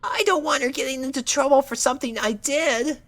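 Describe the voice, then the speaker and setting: A woman voicing an anxious, injured young pony mare who speaks haltingly and pleadingly in an audio story. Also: high-pitched, close to an everyday voice. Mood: worried, defensive. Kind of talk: dramatic audio story acting.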